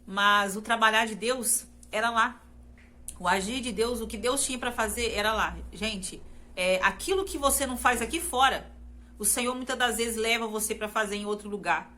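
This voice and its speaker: Speaking at a moderate pace with a fairly high, sharp-toned voice, a woman from Brazil gives an earnest faith testimony, repeating herself and frequently turning to her audience.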